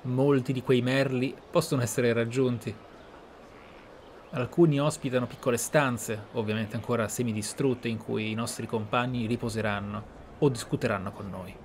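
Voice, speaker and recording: A man's voice: mid-range voice, fairly even intonation, moderate pace. Casting: male gameplay host, mid-range voice, thoughtful explainer, some game ambience underneath. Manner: reflective, explanatory. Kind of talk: role-play game commentary. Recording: clear background game ambience noise.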